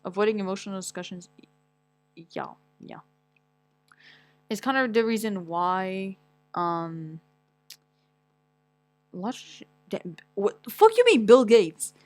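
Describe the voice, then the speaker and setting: A woman's voice: mid-range voice, sing-song, slow, pauses often, a little mellow, dry recording. A young woman from Morocco chatting casually as a vlogger, rambling and blunt, swearing often as she reads things aloud and reacts to them. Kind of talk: casual chat, reading aloud.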